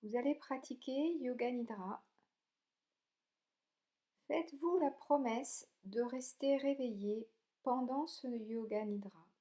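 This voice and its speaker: A woman leading a guided yoga relaxation, speaking calmly and soothingly in short, gentle instructions with pauses between them. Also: a little high. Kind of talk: slow guided meditation narration.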